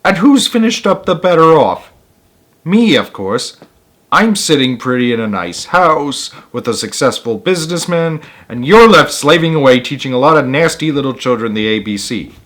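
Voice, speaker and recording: Man doing a brash, snappish housewife, pitched up. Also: very animated, normal speed, fairly bright tone. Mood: smug, scornful. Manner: snappish, scornful, smug. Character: Mrs. Wormwood, brash, vain, smug middle-aged housewife. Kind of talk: storybook read-aloud character voice.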